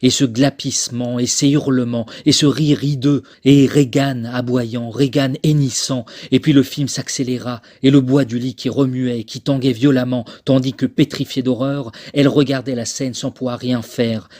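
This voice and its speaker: A man, a voice actor, delivering scripted narration in a theatrical, measured manner. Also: medium pitch, fairly even intonation, a little mellow. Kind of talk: scripted dramatic narration for a demo reel.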